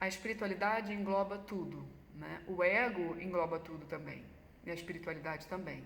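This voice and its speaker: A woman with a medium pitch talks in an animated tone at a moderate pace with ordinary pitch variation. Noticeable background noise and audible room echo come through. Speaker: spiritual teacher. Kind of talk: vlog monologue.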